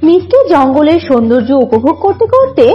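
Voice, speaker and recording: A woman's voice: sits high, big pitch swings, brisk. A woman narrating a scripted cartoon story. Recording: dull lo-fi audio, music behind.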